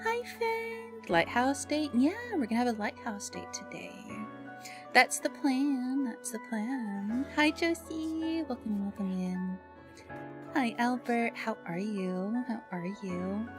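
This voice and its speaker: With music behind her, a woman speaks slowly in a fairly high, animated voice. She's hosting a livestream, chatting casually into a streaming mic and grumbling at her own expense.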